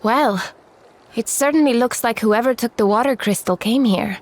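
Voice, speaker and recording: A woman's voice: on the high side, moderate pace, darkish tone, close to an everyday voice. An actress playing a sensible, exasperated female companion in a video game, pointed and sceptical.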